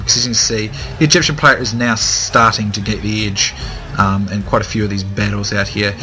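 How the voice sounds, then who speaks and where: Bright-voiced man narrating a game. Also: lowish voice. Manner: hesitant, many ums and restarts. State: slightly hoarse, dry throat, coughing. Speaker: gaming commentator. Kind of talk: casual gameplay commentary.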